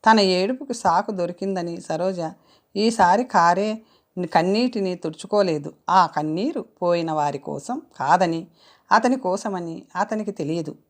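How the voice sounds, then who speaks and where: A woman reading a story aloud as an audiobook narrator, in a measured, emotive way. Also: on the low side.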